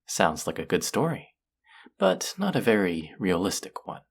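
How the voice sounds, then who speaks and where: Haughty, creaky-voiced alien, played by an actor, low and sly. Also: big pitch swings, full character voice. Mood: teasing, condescending. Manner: condescending, amused, deliberate, theatrical. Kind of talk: audio roleplay acting addressed to the listener.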